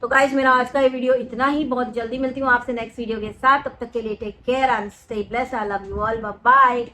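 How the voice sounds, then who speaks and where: A woman's voice: a little high, steady tone, moderate pace, sharp tone, a little hiss or hum. A woman vlogger in a direct-to-camera rant, scolding and threatening her critics, repeating phrases for emphasis.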